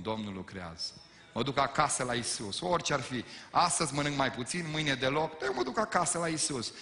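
A man with a Romanian accent preaching a sermon, calling out questions to the congregation and swinging between loud exhortation and quiet storytelling. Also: medium pitch. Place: church. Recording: live sermon in a reverberant church hall.

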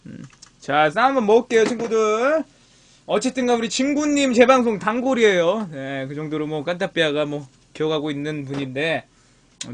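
A man's voice: fairly high pitch, slight background noise. A man hosting a live-stream mukbang, casually chatting with viewers and teasing them as friends while he grills meat. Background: meat sizzling on a grill.

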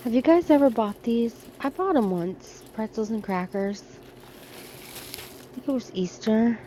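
A middle-aged American woman chats her way through the aisles of a big discount store, thinking aloud about products. Her voice is mellow and soft-edged, picked up by a handheld phone, with faint store hum behind her. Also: a little high, lively intonation, slow. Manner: chatty, thinking aloud while browsing. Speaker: shopping vlogger. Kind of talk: casual shop-with-me vlog. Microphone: handheld phone camera.

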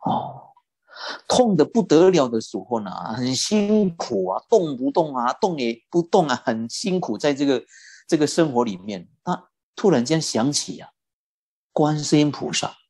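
A Buddhist teacher giving a dharma talk and telling a story in an animated way, stretching out particles like "oh" and "ah". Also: medium pitch, a little slow, breathy edge.

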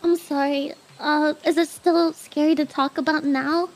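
A woman chatting casually as a vtuber guest, giggly and excitable. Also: sits high, unhurried, rough recording. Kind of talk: casual stream chat.

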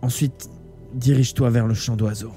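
A man voicing a wounded, dying teenage boy in a live audiobook reading, speaking low and quietly through pain. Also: fairly even intonation, moderate pace, faint music behind, close to an everyday voice. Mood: urgent calm.

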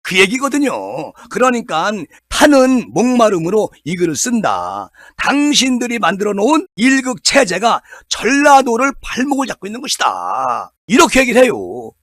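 A man's voice: high-pitched, wildly swooping pitch, normal speed, hardly any pauses, fairly bright tone, no echo, studio quality. A man hosting a political commentary channel, giving an indignant, emphatic monologue full of rhetorical questions.

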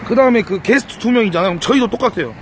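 A man doing a casual live stream from a car, loud and excitable, swearing and thanking viewers. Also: high-pitched, very fast, noisy background.

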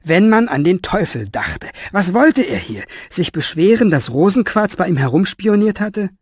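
A man narrates an audiobook, slipping vividly into the characters' thoughts. His voice sits somewhat high, and the recording is dry and close. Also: normal speed, slightly rough, dry recording. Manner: expressive storytelling with lively inner voice.

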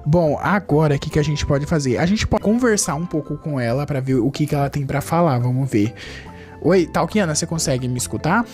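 A man from Brazil giving excitable gameplay commentary as a YouTuber, chatting nonstop to his viewers and jumping high in pitch when something surprises him. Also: brisk, soft background music. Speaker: gaming YouTuber.

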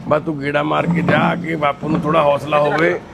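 A man's voice: fairly high pitch, level tone, a little fast, creaky, crowd noise. A man, a charity volunteer, soothing and reassuring a crying woman. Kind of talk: consoling conversation.

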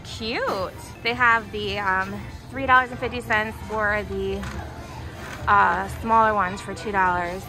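A woman's voice: medium pitch, steady tone, takes it slowly. A young American woman giving casual, enthusiastic shopping commentary as she gushes over items in a store. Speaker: shopping vlogger. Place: inside a discount retail store. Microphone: handheld camera or phone, held by the speaker. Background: music.

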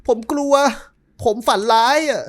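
A man voicing a small, hungry, frightened boy in a horror game, with a high, pleading tone. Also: measured pace, lightly acted. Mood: scared. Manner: whiny and pleading. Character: timid little boy, hungry and scared. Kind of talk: reading game dialogue aloud.

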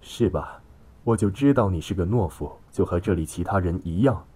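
A man's voice: sits low, animated, normal speed, dark tone, husky. A man voicing a belligerent, contemptuous middle-aged father in an audiobook story, scolding and sneering. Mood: bitter.

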